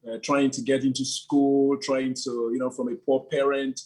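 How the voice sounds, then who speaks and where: A man's voice: mid-range voice, little pitch movement, normal speed, darkish tone. A middle-aged man, a church leader, telling his story with enthusiasm, sprinkling in "you know" and frequent laughs. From Nigeria. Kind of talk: animated interview answers.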